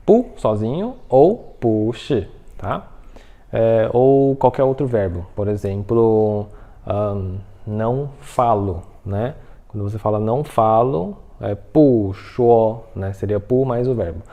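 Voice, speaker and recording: A man teaching a Mandarin lesson, explaining patiently, checking in with the listener often and saying example phrases slowly. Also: lowish voice, narrow, tinny audio. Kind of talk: online language lesson.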